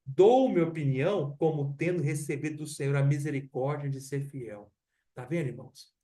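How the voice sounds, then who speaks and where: A man's fairly high, warm voice, captured from a distance, carries through a church hall at a moderate pace. With a Brazilian Portuguese accent, he teaches a Bible study conversationally, often repeating himself and raising rhetorical questions.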